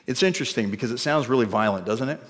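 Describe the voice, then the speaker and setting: A man's voice: mid-range voice, very fast, a bit bright. A man in his forties delivers a sermon from a church stage, talking in a loose, conversational way and dropping wry asides to his congregation. His voice carries a long reverb tail from the large room around him. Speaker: pastor.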